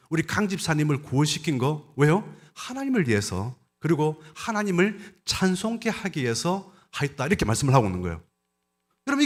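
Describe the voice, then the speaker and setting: A middle-aged man preaching a Sunday sermon in a church, putting rhetorical questions to the congregation. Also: on the high side. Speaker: pastor. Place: church sanctuary during a service.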